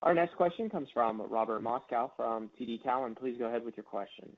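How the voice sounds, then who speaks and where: A man's voice: medium pitch, brisk. A man making scripted announcements as a conference call operator. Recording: dull conference line.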